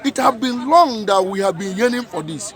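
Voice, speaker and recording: Man, high voice, rallying a street protest, faint crowd behind. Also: animated, moderate pace, a bit bright. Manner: repetitive, emphatic rhetorical questions. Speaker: protest speaker. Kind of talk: impassioned outdoor protest speech.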